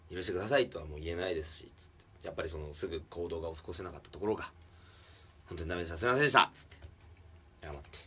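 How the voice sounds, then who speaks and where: A man who hosts a comedy podcast tells a story in casual chat. He acts out the quotes and swings from loud outbursts to hushed asides. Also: sits low, very fast, long pauses, recorded from a distance, a little hiss or hum.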